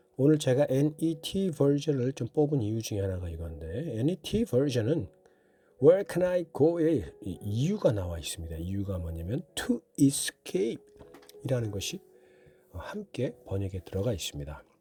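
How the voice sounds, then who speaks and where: Over music in the background, a man talks at a fairly slow pace with medium pitch and very wide pitch swings. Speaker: pastor. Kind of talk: bible devotional teaching. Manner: breathing differs.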